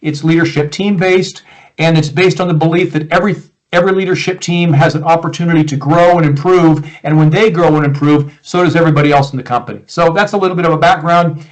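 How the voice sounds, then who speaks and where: A man in his sixties with an American Midwest accent, a guest coach answering interview questions in a relaxed, reflective way over a video call. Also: on the high side, fast, rough recording. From United States, Iowa. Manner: relaxed, reflective, with frequent restarts.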